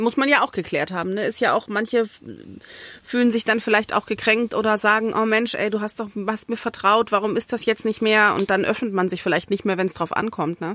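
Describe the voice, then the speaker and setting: On a very clean recording with a silent background, a woman talks at a fairly quick pace in a fairly high pitch, her tone bright and sharp and her intonation fairly even. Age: 40s. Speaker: podcast co-host, friend, self-employed. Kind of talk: casual chat.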